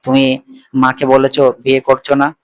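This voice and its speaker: A man's voice: mid-range voice, monotone, moderate pace, dry recording, natural voice. A man reading as a pleading young lover on the phone. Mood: reproachful. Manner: insistent, emotional, mixing English phrases.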